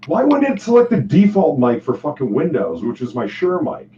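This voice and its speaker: A man's voice: on the high side, wildly swooping pitch, normal speed, mellow. A man co-hosting a live stream, swearing often and irritated at his gear, his voice muffled and distant like a cheap headset mic picking him up from across the room. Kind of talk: casual chat. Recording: dull, muffled mic with faint hum.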